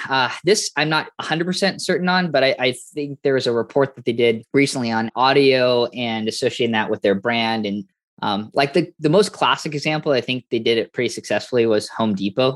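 A man speaks fairly quickly at a medium pitch with lively intonation. The recording is very clean, with a silent background and a dry, close sound with no echo. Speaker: tech startup founder. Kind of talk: interview. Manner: fast; energetic.

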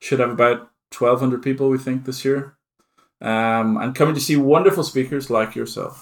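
With a Dublin accent, a man talks at a moderate pace and medium pitch with ordinary pitch variation, in a very clean recording with a silent background. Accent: Irish (Dublin). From Ireland, Dublin. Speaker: tech conference founder. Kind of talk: interview conversation.

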